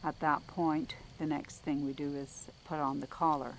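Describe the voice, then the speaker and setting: A woman's voice: low voice, flat delivery, normal speed, slight background noise, low-quality recording. A woman researcher explaining her fieldwork carefully, step by step, in a documentary interview. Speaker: wildlife researcher.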